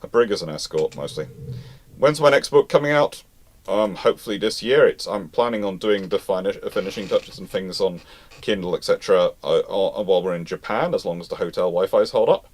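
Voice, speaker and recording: A man's voice: low-pitched, a little fast, darkish tone. A man hosting a live question-and-answer talk on history, speaking in an explanatory way. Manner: explanatory, reads questions aloud then answers.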